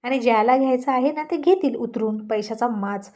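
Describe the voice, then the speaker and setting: A woman voicing a gruff, bossy young husband. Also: fairly high pitch, normal speed, warm tone, natural voice. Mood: stern. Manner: blunt, bossy, mocking.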